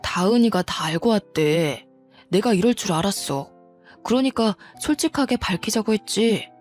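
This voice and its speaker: A woman's voice: medium pitch, expressive, moderate pace, darkish tone, soft background music, natural voice. A woman voicing a resigned brother-in-law who speaks wearily. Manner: weary, resigned. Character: resigned young husband of the cruel sister, man.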